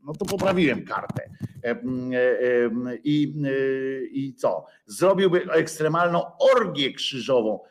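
A man's voice: medium pitch, expressive, slow. A man hosting a rambling satirical monologue, sarcastic and profane, full of hesitations and filler sounds.

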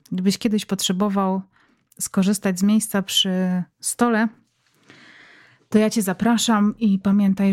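A woman hosting a podcast, reading listeners' letters aloud in a calm, measured way. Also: medium pitch, dry recording, studio quality. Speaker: podcast host.

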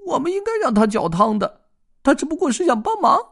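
A man voicing a small excitable squirrel in a children's storybook, with a squeaky, shrieking voice pitched far above his own. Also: fast. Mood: tearful. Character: shrill little squirrel, excitable and possessive.

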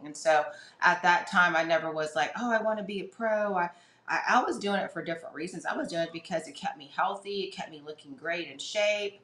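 Middle-aged woman, podcast guest, chatty and rambling, low voice, echoey room. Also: fairly bright tone. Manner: chatty, many fillers and restarts. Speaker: podcast guest, fitness competitor. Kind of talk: casual storytelling interview.

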